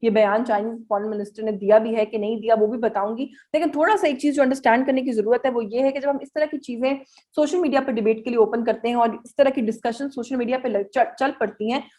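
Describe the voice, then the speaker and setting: A woman journalist with a Pakistani accent giving political news analysis in a halting, explanatory way, mixing in English words. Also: on the high side, fairly even intonation, darkish tone.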